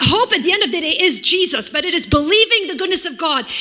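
A woman speaks at a fairly quick pace in an extremely high, raised and projected voice with lively intonation. Her tone is intense, and there is noticeable background noise. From Lebanon. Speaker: author and speaker. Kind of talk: sermon. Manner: fast; intense, high energy.

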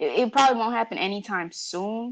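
A woman's fairly high voice at a moderate pace. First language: Spanish. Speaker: interviewee. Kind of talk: casual chat. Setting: phone call.

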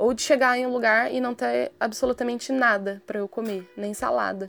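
A woman's high-pitched voice at a moderate pace. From Londrina, Paraná, Brazil. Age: 30s. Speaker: oceanographer. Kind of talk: recorded testimony.

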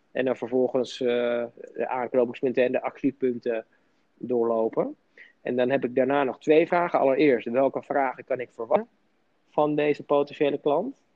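At a moderate pace and medium pitch, a man talks in an ordinary speaking voice with fairly even intonation. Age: 40s. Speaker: sales company owner and podcast co-host. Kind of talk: casual chat.

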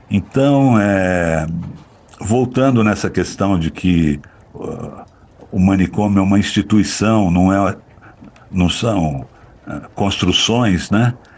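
Against noticeable background noise, a man with a fairly low pitch speaks very slowly, leaving long, frequent pauses, with ordinary pitch variation. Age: 60s. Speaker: psychologist and university professor. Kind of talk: interview. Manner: halting.

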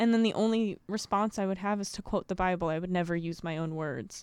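In a quiet background, a woman with an unremarkable speaking voice talks fairly quickly at a medium pitch with fairly even intonation. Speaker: student reporter. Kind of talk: casual chat.

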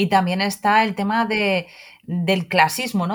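A somewhat breathy woman's voice at medium pitch and a fairly slow pace, with fairly even intonation, in a very clean recording with a silent background. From Huesca, Aragon, Spain. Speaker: podcast host and novelist. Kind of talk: interview.

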